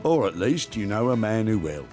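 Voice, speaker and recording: A man's voice: on the low side, big pitch swings, moderate pace, over music. A man narrating a TV show in a playful, teasing scripted voice-over.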